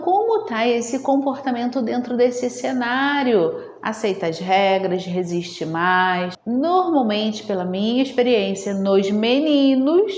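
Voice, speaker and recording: A woman's voice: fairly high pitch, a little mellow, highs cut off. A woman, a speech therapist explaining in a conversational video lesson, often adding tag questions. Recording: roomy echo with long reverb.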